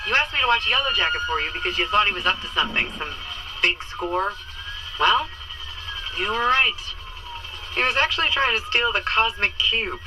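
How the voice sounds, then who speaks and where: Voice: medium pitch, lively intonation, normal speed, pauses often. A performer playing a smug, breezy superhero colleague leaving a gloating voicemail in a comic audio drama. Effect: voicemail over phone. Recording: noisy voicemail with street sounds.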